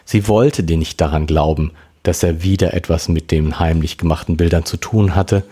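A man's voice: low voice, moderate pace, breathy edge. A man reading a story aloud and voicing all the characters himself. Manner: expressive, acts out all characters. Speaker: audiobook reader.

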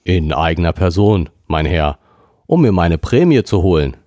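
A man's voice: sits low, sing-song, moderate pace, dark tone, no room sound, studio quality. A man reading an audiobook, voicing a blunt Canadian harpooner in a plain, matter-of-fact way.

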